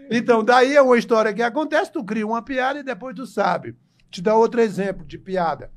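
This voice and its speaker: A middle-aged comedian swaps jokes in a relaxed chat, animated and quick to laugh. His voice sits a bit high for a man, and he shifts into dramatic recitation at times. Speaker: comedian guest. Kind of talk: joke telling in casual chat.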